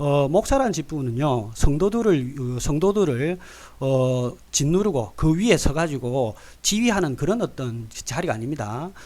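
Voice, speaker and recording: Speaking with a strong Gyeongsang accent, a man talks at a fairly slow pace. His pitch is fairly high and swings very widely. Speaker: anti-cult commentator, YouTuber. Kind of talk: video commentary rebuttal. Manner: halting, many fillers.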